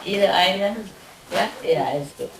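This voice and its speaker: A woman's voice: medium pitch, measured pace, creaky, very noisy. A woman who is not a native German speaker, with a foreign accent, talking casually to a group in short, simple, often repeated phrases as a teacher. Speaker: spiritual teacher leading a gathering. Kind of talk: casual informal talk to a group. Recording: echoey, distant mic, crowd around.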